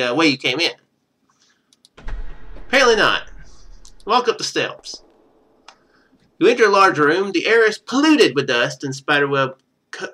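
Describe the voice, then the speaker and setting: Bright, higher-pitched male game streamer. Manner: thinks aloud while playing. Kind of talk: live let's-play, reading game text aloud with casual commentary.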